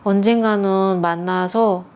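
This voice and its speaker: Middle-aged woman from North Korea, guest; soft and calm, medium voice. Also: medium pitch, slow, clear, resonant tone, muffled recording. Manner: calm, quiet, gentle. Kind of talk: soft-spoken personal storytelling.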